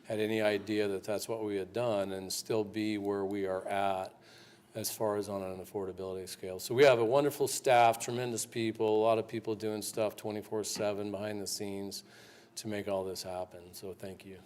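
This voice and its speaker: A man presenting to a city council as staff, speaking in an earnest, measured way. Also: fairly low pitch, little pitch movement, a little mellow. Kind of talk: formal presentation.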